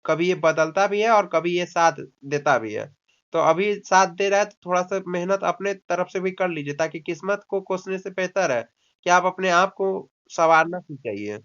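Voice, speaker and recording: A man's voice: sits high, expressive, moderate pace, fairly bright tone, smooth. A man tutoring a student in English vocabulary, explaining in Hindi, coaxing and scolding by turns and drilling words by repetition. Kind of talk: English lesson taught in Hindi. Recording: dull lo-fi recording.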